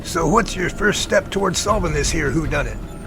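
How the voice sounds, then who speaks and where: A man playing a creaky-voiced, jovial professor dad. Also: fairly high pitch, lively intonation, normal speed, over music. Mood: playful, curious. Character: jovial, playful professor father, teasing his daughter. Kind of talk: amateur radio drama acting.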